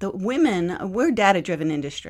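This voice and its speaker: On a very clean recording with a silent background, a woman at medium pitch has an ordinary speaking voice. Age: 60s. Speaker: marketing consultant and podcast host. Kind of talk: interview conversation.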